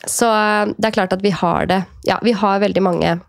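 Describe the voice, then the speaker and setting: A woman's voice: mid-range voice, steady tone, gravelly, dry recording, studio quality. A woman in her thirties chatting as a guest, talking in a reflective way with many fillers and quoted thoughts. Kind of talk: casual conversation.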